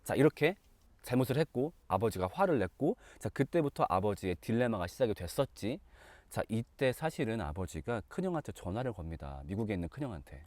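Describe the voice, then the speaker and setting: A man teaching through a dramatic, animated storytelling style. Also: lowish voice, a little fast, no echo. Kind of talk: storytelling lesson.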